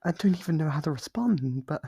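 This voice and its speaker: A man playing a lonely, devoted and obsessive demon in an intimate ASMR roleplay, coaxing and tender with hesitant pauses. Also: a little high, expressive, dark tone, breathy edge, no echo, studio quality.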